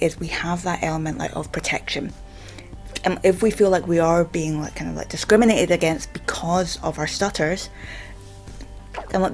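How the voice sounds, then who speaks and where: A Scottish woman with a stammer gives an informal explainer, halting often and leaning on repeated filler words. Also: sits low. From Scotland. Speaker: vlogger and stammering advocate.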